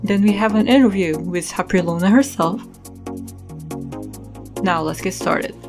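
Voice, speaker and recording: A woman's voice: medium pitch, unhurried. A woman hosting and narrating a podcast, reading in a scripted style. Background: music.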